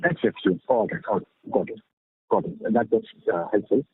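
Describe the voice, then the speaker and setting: A male analyst with a husky voice asking questions on an earnings call. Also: lowish voice, sing-song, fast, no room sound. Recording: dry, muffled narrowband phone line.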